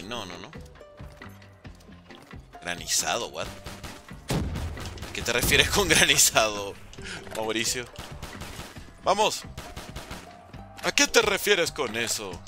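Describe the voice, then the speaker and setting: A bright, lively man streaming a zombies game, chatting with viewers and breaking into excited repeated cries of alarm. His voice is bright and animated, with faint music under it. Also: medium pitch. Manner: chatty with viewers, thanks donors. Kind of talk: live gameplay commentary, reading chat.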